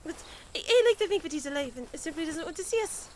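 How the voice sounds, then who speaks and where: A woman's voice: very high voice, lively intonation, fast talker, a little hiss or hum. A woman playing a chatty, earnest young princess in a fiction podcast, rambling emphatically and stammering as she coaxes. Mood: gentle, insistent.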